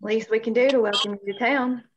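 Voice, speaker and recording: A woman's voice: on the high side, steady tone, brisk, a little hiss or hum, close to an everyday voice. A woman reading a chatty, welcoming small-town family woman at a screenplay table read, folksy in manner.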